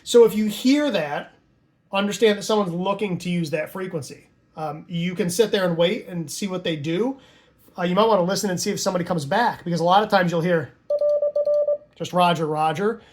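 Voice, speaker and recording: A man with a noticeably high voice teaches in an informal tutorial style. He talks conversationally, like a hobbyist explaining things to newcomers, and often adds short tags to make sure the listener is following. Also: fairly quick. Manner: conversational, checks understanding with tags like "right?" and "okay?". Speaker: amateur radio hobbyist teaching Morse code.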